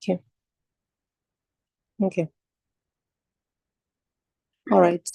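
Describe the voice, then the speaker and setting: A woman's voice: fairly low pitch, little pitch movement, drawn-out words, vocal fry, mellow, slightly rough, no room sound, dull audio. A woman from Nigeria teaching an online finance exam lesson, explaining step by step and asking her class rhetorical questions. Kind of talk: online lecture.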